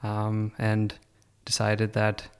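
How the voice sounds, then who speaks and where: Smooth-voiced young man from Pakistan. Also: fairly low pitch, monotone, takes it slowly. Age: 20s. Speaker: podcast guest. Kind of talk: casual interview chat.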